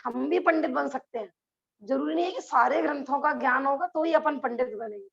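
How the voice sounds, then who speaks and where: A woman's voice: sits high, brisk, creaky, lo-fi sound. A woman teaching a religious class who keeps asking the listeners rhetorical questions and laughs between points. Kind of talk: lecture to a class.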